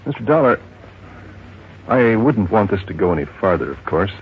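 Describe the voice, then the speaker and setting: Low-voiced, confiding radio-drama jeweler. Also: male voice, big pitch swings, normal speed. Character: discreet, confiding, gossipy male small-town jeweler. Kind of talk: 1950s radio drama acting. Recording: dull old radio recording, faint noise.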